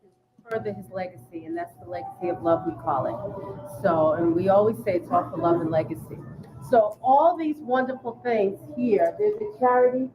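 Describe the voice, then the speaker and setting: A woman's voice: mid-range voice, moderate pace, background noise. A woman organizing a fan gathering, speaking to a crowd in an upbeat way.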